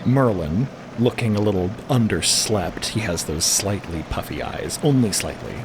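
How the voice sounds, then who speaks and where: Low-pitched man, wry story narrator. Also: expressive, normal speed, background noise. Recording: music bed behind voice.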